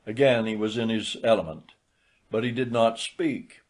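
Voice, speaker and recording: A man's voice: on the low side, normal speed. A man narrating a literary short story as a scripted audiobook reading.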